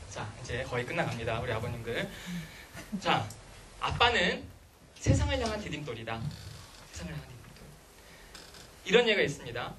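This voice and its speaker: A man lectures parents in a school hall, his voice high for a man and full of swooping, lively intonation. He talks fast and keeps throwing rhetorical questions at the crowd. The mic sits some distance from him, so he sounds a little remote. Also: noisy background. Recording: voice picked up from a distance.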